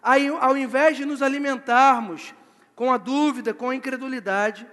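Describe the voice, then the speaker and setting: A male preacher with a notably high voice delivers a live sermon. He is lively and theatrical and acts out scenes as he goes. The sound echoes with a long reverb through a church hall. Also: moderate pace.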